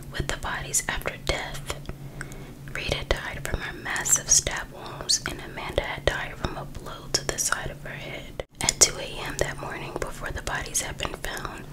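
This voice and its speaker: A woman reading a book aloud for ASMR in a breathy, unvoiced whisper, pausing between short phrases. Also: low-quality recording. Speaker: ASMR creator.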